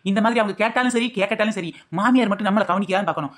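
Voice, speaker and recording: A woman voicing a clever, theatrical young daughter-in-law in a cartoon comedy, talking fast and scheming. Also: medium pitch, close to an everyday voice. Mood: sly. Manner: rapid, scheming, mock-tearful when flattering.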